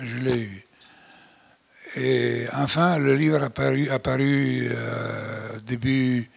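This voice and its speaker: A man's voice: medium pitch, gravelly, breathy edge, dry recording. An older man from Italy speaking French with an Italian accent, giving a lecture with many fillers and restarts. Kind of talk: closing lecture.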